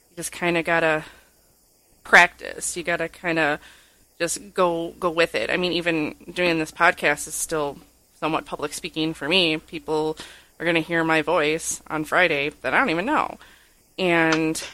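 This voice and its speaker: A woman's voice: lowish voice, pushed and bright, no echo. A woman co-hosting a podcast, telling personal stories casually in a candid, self-deprecating and sincere way. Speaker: podcast co-host.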